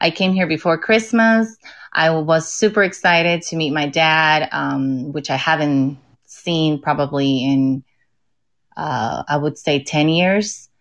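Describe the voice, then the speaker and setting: With a Mexican accent, a woman speaks at a very deep, low pitch against a quiet background. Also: ordinary pitch variation. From Mexico, Oaxaca. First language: Spanish. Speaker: PE teacher and runner. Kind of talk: interview. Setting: online audio platform.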